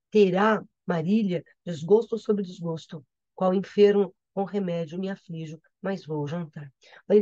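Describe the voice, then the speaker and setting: A woman's voice: mid-range voice, warm tone, no echo, dull audio. A woman teacher with a Brazilian accent reading a poem aloud and explaining it, often checking in with her listeners. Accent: Brazilian Portuguese. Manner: repetitive, checks understanding with "tá?". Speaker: literature teacher.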